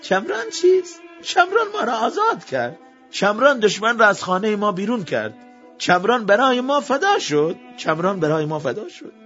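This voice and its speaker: A man voicing a grieving old Arab village woman with an Arabic accent, her voice high and strained with emotion, on a dull lo-fi recording. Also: big pitch swings, fairly bright tone, soft background music. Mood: fervent. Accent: Arabic-accented Persian.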